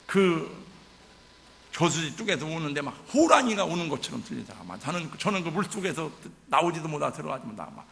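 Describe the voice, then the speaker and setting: 교회 예배당에서 설교하는 나이 든 남자 목사. 밝고 힘 있는 목소리로 감정 가득한 이야기를 들려주며, 목소리는 다소 높은 편이다. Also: male voice, fairly high pitch, very animated, a little fast, gravelly, a bit bright. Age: older. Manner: vivid, emotional storytelling with many interjections. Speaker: pastor. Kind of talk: sermon. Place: church sanctuary. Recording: church hall reverb.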